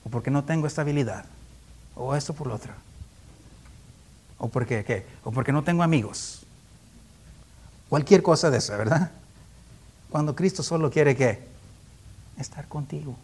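A man's voice: on the high side, normal speed, long pauses, darkish tone, husky. A man preaching in a conversational Bible-teaching style, asking rhetorical questions, constantly checking in with his listeners, and chuckling often. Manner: rhetorical questions with frequent tag questions.

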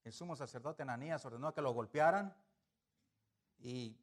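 Delivering an animated sermon at a moderate pace, a man with a mid-range voice swings from loud emphatic lines to quiet asides. He asks his congregation rhetorical questions throughout.

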